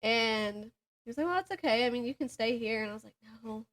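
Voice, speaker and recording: A woman's voice: fairly high pitch, brisk, a bit bright. A young adult woman co-hosting a podcast, chatting casually with a friend and telling rambling stories in a giggly manner. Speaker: podcast co-host. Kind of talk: casual chat between friends.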